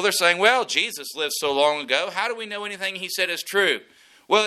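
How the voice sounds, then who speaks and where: A man preaches a sermon with a drawl, in a folksy storyteller's way. His voice sits a little high and sounds very bright and edgy. He moves from scripture into homespun anecdotes. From West Texas. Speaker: pastor.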